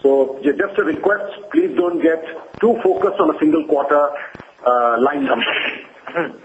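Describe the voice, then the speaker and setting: A man with a slightly high voice explains like an executive on an earnings call. His manner is measured and reassuring. The sound is roomy and muffled, with faint noise behind him. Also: expressive. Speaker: company executive answering analysts. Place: conference call. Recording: roomy, dull conference line with hiss.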